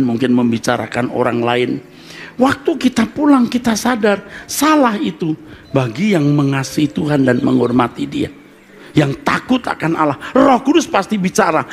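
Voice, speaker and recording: A male pastor preaching a live sermon to a congregation, swinging between hushed asides and loud emphatic bursts and joking with the listeners. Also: a little high, lively intonation, normal speed, faint music behind. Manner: jokes with and teases the congregation. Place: church service with live congregation.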